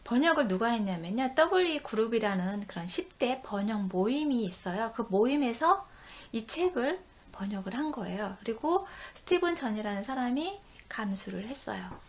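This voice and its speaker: Woman, book review talk, fairly high voice, conversational, explanatory, lots of fillers. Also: sing-song, normal speed.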